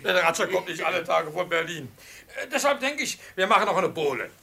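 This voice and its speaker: An actor playing an excitable, merry drinking companion in a German radio drama. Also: male voice, high-pitched, a little fast, creaky, slightly rough, exaggerated voice. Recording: noisy tavern company around him.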